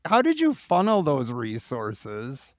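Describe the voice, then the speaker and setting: A man's voice: mid-range voice, wildly swooping pitch, slow pace, no room sound, studio quality. A man hosting a podcast, interviewing in a casual way and thinking aloud informally. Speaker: podcast host.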